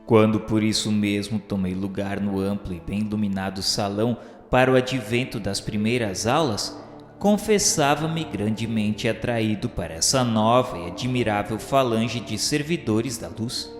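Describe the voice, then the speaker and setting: A man's voice: lowish voice, moderate pace. A man with a Brazilian accent gives a solemn, formal, literary scripted narration, as the narrator of a radio novel. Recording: echoey hall-like reverb. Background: music.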